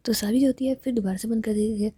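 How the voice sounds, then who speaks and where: Woman telling a love story in a half whisper, really dark husky voice, dry close mic. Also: a little high, fairly even intonation, fast. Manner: soft, half-whispered narration.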